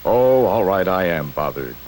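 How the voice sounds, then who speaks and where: An actor voicing a vain, pompous square-jawed hero in a 1960s cartoon. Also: male voice, low-pitched, very animated, a little slow, a little mellow, slight background noise, rough recording. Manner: smug, pompous hero talk.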